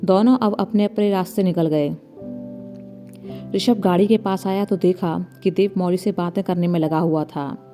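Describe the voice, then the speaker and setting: Lady reading out a love story, calm and even, mellow warm voice, quiet music under it. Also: fairly low pitch, moderate pace. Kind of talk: scripted storybook narration. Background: faint background music.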